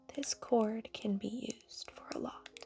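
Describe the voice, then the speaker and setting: Faint music plays in the background as a woman whispers. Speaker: makeup content creator. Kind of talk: ASMR unboxing. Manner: whispered. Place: home room.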